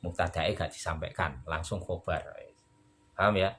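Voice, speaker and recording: A tired man, teaching a recorded lesson on Arabic rhetoric in a relaxed, conversational way and acting out short dialogues to explain. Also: sits low, moderate pace, slight background noise.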